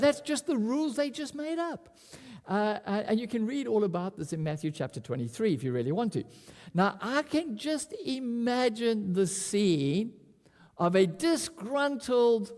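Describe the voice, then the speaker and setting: A man preaching a sermon at a pulpit microphone, animated and often repeating words as he restarts. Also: high-pitched, big-room sound. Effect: speaking at a pulpit microphone. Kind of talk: expository sermon.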